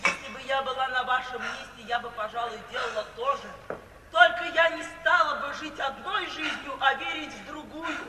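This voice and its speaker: A proud, rational young daughter speaks in firm, unsentimental radio-play style. The voice is high and forceful. It carries through a roomy, slightly distant old recording with faint hiss. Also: female voice, normal speed. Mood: resolute, composed. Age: young adult. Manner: firm, crisply declaimed, unsentimental. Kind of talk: 1950s Russian radio play acting.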